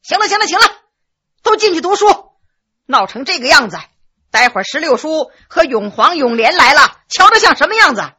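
A woman's voice: high voice, sing-song, a little fast, pushed and bright, heavily acted. A woman acting a commanding, shrewd young prince. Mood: stern. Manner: authoritative, scolding or coaxing. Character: commanding young prince, stern, hot-tempered yet calculating.

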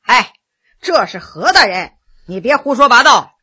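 A cautious, quick-witted court minister from a historical tale, acted by a woman. He is firm and hasty when correcting people, with a bright, animated voice. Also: fairly high pitch, slightly rough, heavily acted. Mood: scolding. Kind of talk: dramatized storytelling.

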